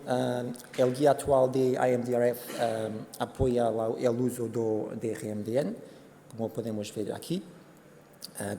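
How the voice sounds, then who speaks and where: A Portuguese man giving a conference presentation in Spanish with a Portuguese accent, speaking haltingly with many fillers and restarts. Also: medium pitch, dark tone. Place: conference hall. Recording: hall reverb, faint background noise.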